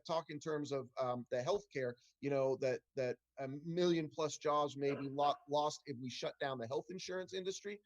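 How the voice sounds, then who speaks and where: A middle-aged man, a political candidate, answering town hall questions earnestly over a video call, with frequent restarts and fillers. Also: on the high side. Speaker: congressional candidate.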